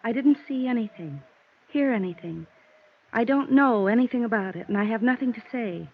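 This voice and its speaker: A woman's voice: on the high side, normal speed, slightly rough. A weary, guarded young mother. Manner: tired, guarded, evasive. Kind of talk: 1950s radio drama acting. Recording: dull old radio broadcast with faint hiss.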